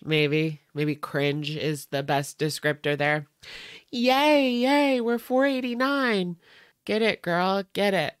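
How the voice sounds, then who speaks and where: A young woman with a low, smooth, clear voice talks through a reaction video in a chatty, sarcastic way. She sounds a bit stuffy-nosed. The recording is dry and close-miked. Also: no echo. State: stuffy nose. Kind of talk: casual commentary.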